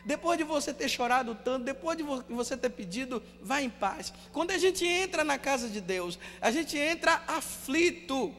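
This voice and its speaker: High-voiced Brazilian priest in a big echoing hall. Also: male voice, lively intonation, normal speed, hardly any pauses. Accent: Brazilian Portuguese. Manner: storytelling, repeats words for emphasis, drops to a hush. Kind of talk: sermon.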